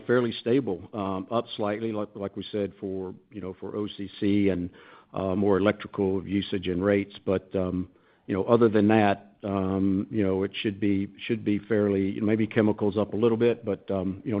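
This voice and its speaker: A man speaking as a company executive, explaining figures in a halting, cautious way on an earnings call. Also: lowish voice. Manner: halting, cautious, repeats "you know". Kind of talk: unscripted earnings call answers. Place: conference call. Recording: tinny narrow phone-like call line.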